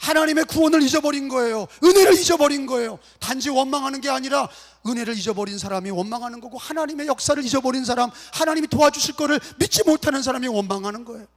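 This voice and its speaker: A man preaching a sermon with a notably high voice, driving his points home through rhythmic repetition. His words hang in the long reverb of a church sanctuary. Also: quick pace. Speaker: pastor.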